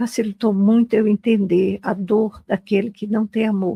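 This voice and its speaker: A woman speaks at a fairly slow pace in a somewhat breathy voice with flat, monotone intonation. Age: 80s+. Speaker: therapist and spiritual teacher. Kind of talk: interview testimony.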